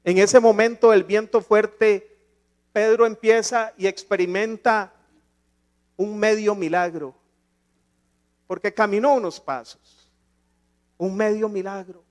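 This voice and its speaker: A man's voice: sits high, fairly even intonation, takes it slowly, long pauses. A man pastor preaching a sermon in a church, asking rhetorical questions and rising to emphatic points.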